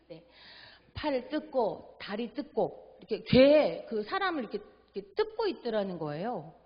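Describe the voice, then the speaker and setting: Woman lecturing in an echoey church hall. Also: mid-range voice. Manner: animated, acts out family dialogue, asks audience for agreement. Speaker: seminar lecturer. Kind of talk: church family seminar talk. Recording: echoey hall, dull audio.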